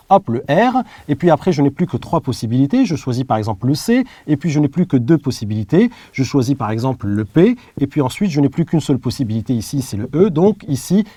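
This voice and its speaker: A man teaching an online math lesson, explaining step by step and often checking with a quick question. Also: fairly high pitch, dark tone, no room sound. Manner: repetitive, checks understanding with "d'accord?".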